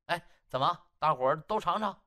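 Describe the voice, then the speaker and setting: A man's voice: fairly high pitch, animated, brisk, bright, forceful tone. A man voicing a cheeky, shameless young slacker doctor in an audiobook, stammering and sniggering in mock apology. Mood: playfully smug.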